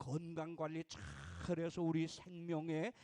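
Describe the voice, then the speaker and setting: Recorded with a dry, close sound and no echo, a man speaks at a fairly slow pace in a high pitch with an animated tone. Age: 60s. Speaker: pastor. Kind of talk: sermon.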